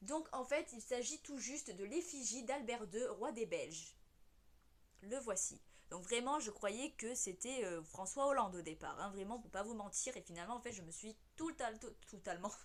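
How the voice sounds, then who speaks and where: At a moderate pace, a woman talks with a fairly high pitch. Her intonation is lively. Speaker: YouTuber, coin collector. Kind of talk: casual video presentation. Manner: stumbling over words.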